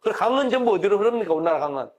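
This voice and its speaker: A man's voice: high-pitched, lively intonation, rapid-fire. A middle-aged man from the Gyeongsang region, with a Gyeongsang accent, giving a classroom lecture and questioning his audience conversationally. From Gyeongsang region of Korea. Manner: conversational, asks the audience questions and answers them. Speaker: university professor lecturing.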